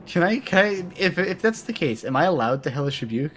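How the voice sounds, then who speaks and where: A man's voice: a little high, big pitch swings, fairly quick, fairly bright tone. A man chatting casually as a player in a tabletop roleplaying game. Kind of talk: casual chat during a game. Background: background music.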